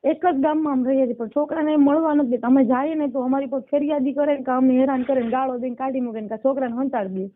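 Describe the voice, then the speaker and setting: In a dull, lo-fi phone call, a 29-year-old Saurashtra Gujarati-accented woman pleads for help as she explains her situation. She talks fast with few pauses, in a high, steady voice.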